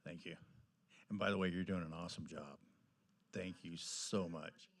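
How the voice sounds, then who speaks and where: A man's voice: low-pitched, steady tone, normal speed, vocal fry. A man serving as mayor pro tem, chairing a council meeting and giving informal reports.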